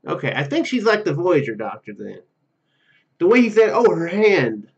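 A man in his thirties reading a visual novel aloud in an animated way, with casual commentary between lines. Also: on the high side, brisk, vocal fry, highs cut off. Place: room at home. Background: game music.

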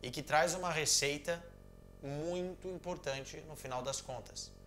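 A man in his thirties with a Brazilian Portuguese accent, a football commentator casually answering viewer messages in a joking, animated way from a small room at home. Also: on the high side, unhurried, a little hiss or hum. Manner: animated, joking, gestures a lot. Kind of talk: casual chat.

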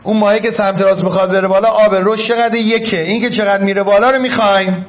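A man's voice: sits high, steady tone. A man teaching a physics problem to an online class, coaxing and affectionate, repeating each step.

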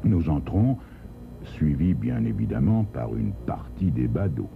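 Wry gravelly male crime narrator. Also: very deep voice, very animated, measured pace, music in the background. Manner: dramatic, wry storytelling. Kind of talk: scripted crime story narration. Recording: tinny lo-fi recording, faint hiss.

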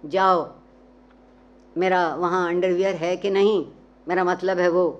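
A woman's voice: fairly low pitch, little pitch movement, close to an everyday voice. A woman voicing a bold, reckless young woman who gives brusque, impatient commands in a dramatic story reading. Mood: defiant. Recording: dull, muffled recording.

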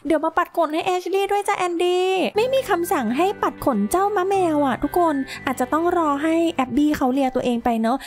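A woman giving chatty, playful game commentary, talking to her viewers and to the characters on screen. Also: very high voice. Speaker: gameplay commentator.

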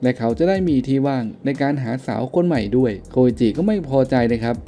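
A man's voice: medium pitch, fast talker, mellow, faint music behind. A man narrating a film recap in a chatty, slangy way, with polite particles, as a close-miked voice-over. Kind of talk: casual scripted film recap.

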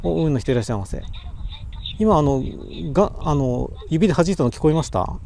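A cycling livestreamer with a slightly high, creaky, warm voice speaks a little fast and expressively as he chats outdoors with viewers. He mumbles mic checks while fixing his audio through a voice recorder mic, and there's a little hiss or hum.

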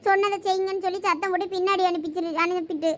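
A woman's voice: very high voice, fairly even intonation, rapid-fire, a bit bright. A woman playing a timid young female student who complains about being wronged. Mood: aggrieved. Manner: plaintive, complaining.

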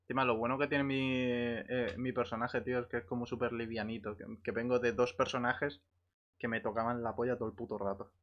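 A man with an accent from Spain chatting casually over a voice call, in a halting way that repeats words. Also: medium pitch, little pitch movement, fairly bright tone. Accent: Spanish from Spain. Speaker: gamer in a voice chat. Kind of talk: casual chat. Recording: slightly dull voice-chat audio.

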